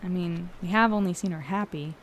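A woman's voice: on the low side, brisk, soft background music, lightly acted. A woman playing an uneasy, thoughtful investigator in an audio drama, speaking casually and naturally. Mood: puzzled.

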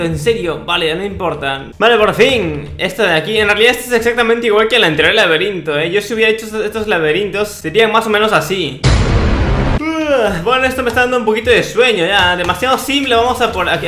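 A young gaming video host with a Peruvian Spanish accent chats about his Minecraft play in a cocky, tongue-in-cheek boastful way. He speaks in a high voice with a sharp edge, in a roomy recording that carries faint background noise.

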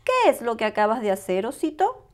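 A woman voicing a calm, caring mother bear in a storybook, gently motherly. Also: fairly high pitch, a little fast. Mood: curious, gentle.

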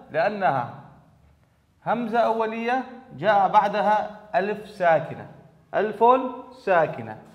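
A man with a high voice teaches a classroom grammar lesson, explaining slowly and repeating key words. The recording sounds dull and lo-fi, with a long echoing reverb from a large room. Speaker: Arabic teacher. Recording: echoey hall, dull lo-fi sound.

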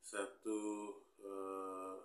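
Speaking extremely slowly in a deep, monotone, slightly bright voice, a thirtysomething hobby vlogger does a casual unboxing chat in a small room with a pink wall. He thinks aloud with plenty of fillers and light grumbling, and the audio is reverberant.

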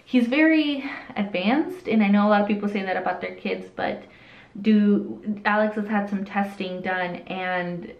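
A woman's voice: mid-range voice, unhurried. A woman in her late twenties with a light Hispanic accent, chatting candidly as she answers viewer questions. She often trails off and restarts her sentences. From El Salvador, raised in Southern California. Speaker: vlogger. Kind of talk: casual Q&A while doing makeup. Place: small indoor room with a curtain backdrop. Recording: roomy, slightly dull sound.

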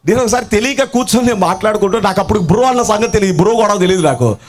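A middle-aged male pastor telling a story in his sermon, in an animated way and mixing in English words. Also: high voice, rapid-fire.

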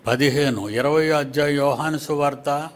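A man's voice: a little high, normal speed. A man preaching a sermon to his congregation, teasing the listeners with rhetorical questions.

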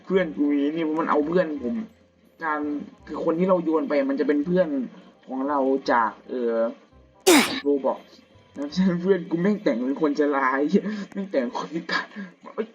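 A young man, still a student, giving casual gameplay commentary at home at night, slangy and crude with excitable outbursts. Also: a little high, moderate pace. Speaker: gamer. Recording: dull lo-fi audio with game music.

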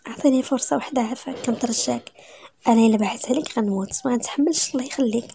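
A woman with a Moroccan accent voicing a desperate, lovesick young wife in a husky voice. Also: fairly high pitch, very fast, warm tone, slight background noise. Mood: pleading.

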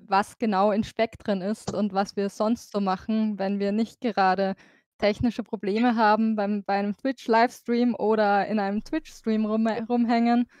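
A woman's voice: medium pitch, a little mellow, clear, resonant tone, no echo. A woman in her twenties from Austria, moderating a casual chat as podcast host. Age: 20s.

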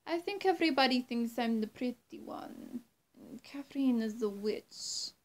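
Young woman playing a slow, high-voiced coy vampire. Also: lively intonation, a little mellow. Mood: coy, vain. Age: young adult. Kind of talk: roleplay addressed to the listener. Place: small bright bedroom, indoors. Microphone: camera mic at arm's length or closer.

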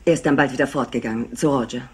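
A woman's voice: a bass voice, fast talker, darkish tone, slight background noise. A woman playing an anxious, bereaved company heiress in a crime drama, earnest, hesitant and pleading. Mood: troubled, uncertain. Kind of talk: German crime drama acting.

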